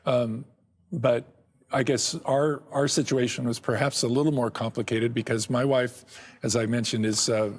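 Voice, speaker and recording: Middle aged guy being interviewed, stumbles and repeats words a lot, laughs softly. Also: medium pitch, fairly even intonation, slightly rough. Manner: halting, many restarts and repeated words; chuckles often. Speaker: guest, ministry director. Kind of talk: conversational interview answers.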